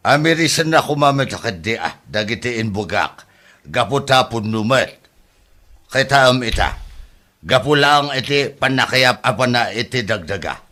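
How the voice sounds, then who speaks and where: A man's voice: medium pitch, animated, normal speed, bright, forceful tone. A man with an Ilocano accent playing a grown son who lectures and scolds his family in a comedy drama. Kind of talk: scripted drama acting.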